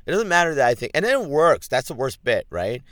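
A man's voice: medium pitch, very animated, quick pace, fairly bright tone, no echo. A man hosting a casual solo podcast who rambles, chats and laughs often, poking fun at himself. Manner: rambling, chatty, laughs often, self-deprecating. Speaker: podcast host.

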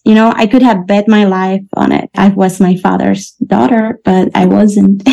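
Woman in her thirties, gravelly fry, warm dark tone, earnest reflective storytelling. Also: mid-range voice, low-quality recording. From Venezuela. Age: 30s. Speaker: interview guest. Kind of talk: personal storytelling interview.

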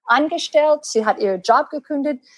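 A woman's voice: high voice, lively intonation, normal speed, fairly bright tone, no echo. A woman in her late forties with an American accent in German, a native English speaker talking conversationally as an interview guest, with learner's grammar and switches into English phrases. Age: late 40s. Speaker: guest, sales and positioning coach.

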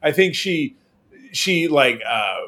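A man co-hosting a casual show, chatting about TV episodes in an animated, talkative way. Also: on the high side. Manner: animated, chatty, mimics characters in quick asides. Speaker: podcast co-host. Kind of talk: casual chat reviewing TV episodes.

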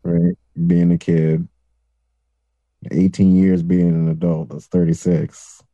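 Deep-voiced comedian in his late thirties. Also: little pitch movement, takes it slowly, warm tone, dry recording, highs cut off. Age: 30s. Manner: loose, joking, swears casually. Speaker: comedian guest. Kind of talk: casual interview chat.

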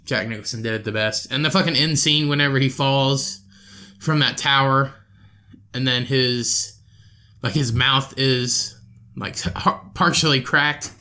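A man's voice: mid-range voice, bright, forceful tone. Profane rambling man hosting a podcast. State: congested nose. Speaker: podcast host. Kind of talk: solo podcast rant.

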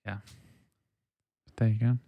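A man's voice: on the low side, level tone, slow, no room sound, phone-quality sound. A man hosting a podcast, chatting informally about music in a rambling way and often checking for agreement. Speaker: podcast host. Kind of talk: casual music discussion chat.

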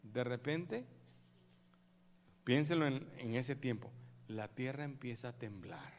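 A man preaching a dramatic sermon as a pastor, acting out scenes and jumping from shouts to hushed lines. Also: medium pitch, lively intonation, takes it slowly. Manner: acts out scenes, shouts exclamations, swings between loud and hushed.

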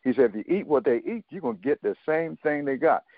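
A man in his seventies, a guest on a talk radio show, telling his story haltingly with many fillers and restarts and quoting others in dialogue. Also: a little high, lively intonation, dry recording. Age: 70s. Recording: dry, tinny phone line.

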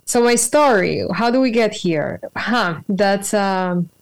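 A woman's voice: medium pitch, takes it slowly. A woman, telling her story as an interview guest over a video call, thoughtful and earnest with fillers. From Colombia. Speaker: guest, spiritual practitioner. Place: home room with a cat.

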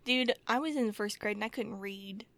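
A woman's voice: mid-range voice, normal speed, a bit bright, no echo. A woman co-hosting a podcast, chiming in casually with short remarks. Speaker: podcast co-host.

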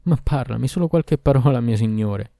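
A man's voice: on the low side, brisk, warm tone, no room sound, studio quality, natural voice. A man voicing a passionate, cruel sorceress queen in a storybook reading, lamenting and pleading.

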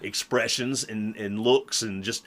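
A man's voice: on the low side, fairly even intonation, a little slow, a bit bright. A man, telling funny stories on a podcast and laughing often. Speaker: podcast co-host. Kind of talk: casual storytelling chat.

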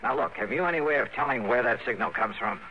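A man playing a tough, decisive investigator hero in a 1950s radio drama, with clipped delivery and a gravelly voice. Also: mid-range voice, quick pace, a little hiss or hum, natural voice. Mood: urgent, decisive. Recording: dull vintage radio broadcast with music.

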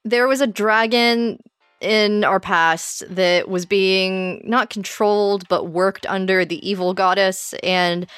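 A woman's voice: mid-range voice, fairly even intonation, slow pace, a bit bright, smooth, no echo, soft background music. A woman playing a tabletop role-playing game, chatting casually and explaining events at rambling length. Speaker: player.

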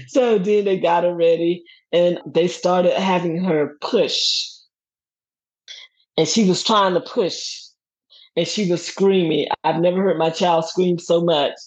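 A middle-aged woman telling a personal story as a guest, lively and laughing often as she acts out what others said. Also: lowish voice, slightly rough. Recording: dull lo-fi recording.

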